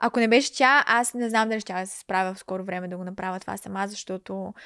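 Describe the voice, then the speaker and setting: In a very clean recording with a silent background and a dry, close sound with no echo, a woman at a medium pitch talks at a fairly quick pace with fairly even intonation, an ordinary speaking voice. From Bulgaria, Plovdiv. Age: 20s. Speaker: influencer. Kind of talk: casual chat.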